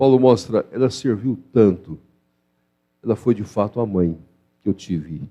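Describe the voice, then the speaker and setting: A man with a dark, mellow, fairly low voice speaks fairly slowly with lively intonation. He leaves long, frequent pauses. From Minas Gerais, Triângulo Mineiro / Alto Paranaíba. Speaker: pastor. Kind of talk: sermon. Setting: church service.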